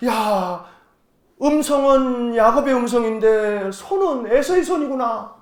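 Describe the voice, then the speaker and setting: A man's voice: very high-pitched, lively intonation, roomy sound, heavily acted. Pastor voicing a suspicious old blind father. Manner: questioning, drawn-out demands.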